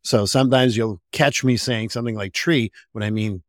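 A man's voice: fairly low pitch, fairly even intonation, moderate pace, no echo, studio quality. A man from Montreal with a French Canadian accent, introducing himself on a podcast panel with self-deprecating humor. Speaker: guest counselor.

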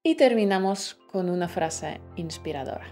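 A woman co-hosting a language-learning podcast, explaining in a clear, measured teaching voice. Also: on the low side, expressive, over music. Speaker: co-host of a Spanish-learning podcast.

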